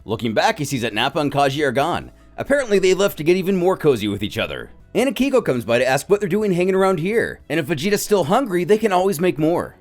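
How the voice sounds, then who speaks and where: Male storyteller, scripted dramatic narration, slightly high pitch, lively intonation, music behind. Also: fast, hardly any pauses.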